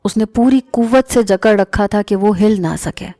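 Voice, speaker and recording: A woman narrating a first-person story in a calm, measured storytelling manner. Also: mid-range voice, no echo, studio quality. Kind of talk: scripted narration.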